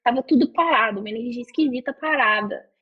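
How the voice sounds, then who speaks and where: A woman's voice: fairly high pitch, quick pace, husky, muffled recording. A woman, a podcast guest telling stories casually and animatedly. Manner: animated, acts out quotes with gasps and laughs. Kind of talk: casual storytelling.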